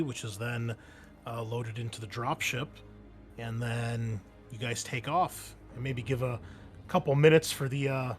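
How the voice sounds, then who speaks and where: A man running a tabletop game as game master, explaining the scene conversationally in a hesitant, piece-by-piece way. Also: medium pitch. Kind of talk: improvised tabletop game narration and chat.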